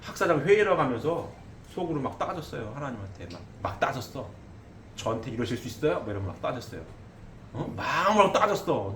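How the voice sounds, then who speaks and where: A man's voice: medium pitch, fairly bright tone, a little hiss or hum. A middle-aged man preaching a sermon emphatically, often asking his congregation questions and tagging "eh?". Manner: emphatic, asks the congregation questions, frequent "eh?" tags. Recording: echoey hall with faint ambience.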